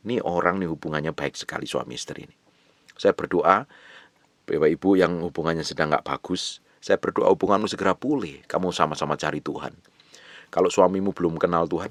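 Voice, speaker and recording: A man with a deep, low voice preaches a sermon, piling up repeated phrases and rising into emphatic surges before dropping to hushed asides. The sound is dry and close, with no room around it. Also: no room sound. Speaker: pastor.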